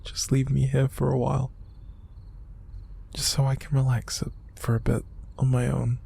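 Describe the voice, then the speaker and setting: A man acting an upset, exhausted young man in an intimate audio roleplay, speaking in a hushed, halting, breathy and gravelly voice. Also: mid-range voice, completely flat delivery. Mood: apologetic, drained. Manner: halting, sighing, hushed, naturalistic delivery. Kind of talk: intimate audio roleplay monologue to an unseen listener.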